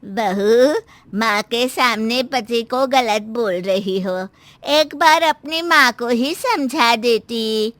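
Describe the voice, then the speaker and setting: A woman's voice: a little high, slow, fairly bright tone, no echo. A woman voicing a proud, stern middle-aged mother-in-law in a cartoon story, with a commanding, scolding manner. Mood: scornful. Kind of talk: Hindi cartoon voice acting.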